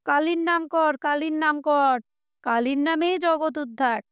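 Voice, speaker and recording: A woman's voice: sits high, steady tone, a little slow, no echo, studio quality. A woman doing a frightened old village father. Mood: pleading, fearful. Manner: fearful, muttering prayers.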